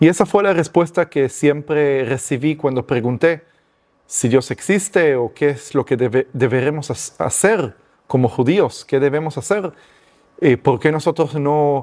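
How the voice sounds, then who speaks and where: A man with a Hebrew accent, fairly high-pitched, at a fairly slow pace with ordinary pitch variation, on a very clean recording with a silent background. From Israel. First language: Hebrew (speaking Spanish). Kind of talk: testimony. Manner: halting, many fillers and self-corrections.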